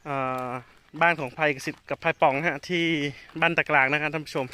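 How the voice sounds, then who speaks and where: A man's voice: fairly high pitch, fairly even intonation, brisk, slight background noise. A man keeping elephants, chatting to viewers in a casual outdoor vlog. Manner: chatty, addresses viewers, calls animals loudly. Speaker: elephant keeper and channel host.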